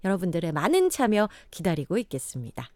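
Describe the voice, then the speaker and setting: A woman's voice: on the low side, very animated, quick pace, darkish tone, dry recording. A woman from Daegu hosting a live radio show, chatty and laughing often, in a studio. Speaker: radio host. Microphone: studio microphone.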